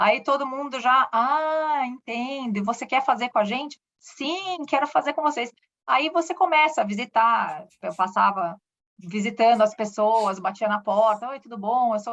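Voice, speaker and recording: A woman speaks at a fairly slow pace, her high voice rising and falling with lively intonation. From Brazil, São Paulo. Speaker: ophthalmologist. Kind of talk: interview.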